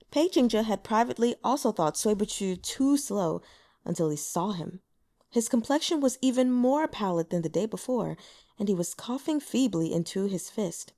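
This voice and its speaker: Calm female audiobook narrator, mid-pitched, mellow. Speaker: audiobook reader.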